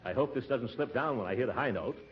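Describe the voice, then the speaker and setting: An actor playing a fussy, vain, good-natured uncle who chuckles and gets flustered, in 1940s radio comedy style. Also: male voice, mid-range voice, lively intonation, fast talker, lightly acted. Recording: hissy, muffled old radio broadcast.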